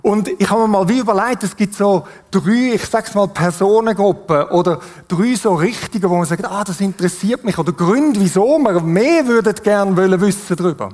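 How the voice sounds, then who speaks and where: A man's voice: high voice, moderate pace, hardly any pauses, a little mellow. A man with a Swiss German accent preaching a sermon in an earnest, conversational way, often putting questions to his listeners.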